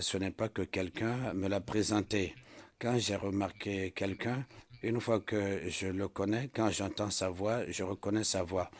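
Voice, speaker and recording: A man's voice: fairly low pitch, no room sound. A man testifying as a witness in a courtroom, answering questions insistently and repeating his points. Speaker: trial witness.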